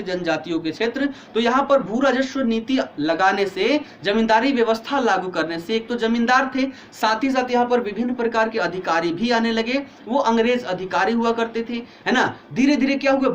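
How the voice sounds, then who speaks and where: A man's voice: extremely high pitch, animated, brisk, hardly any pauses, slight background noise. A male teacher giving an online exam-prep history lecture, explaining step by step and asking students questions, tired with a headache.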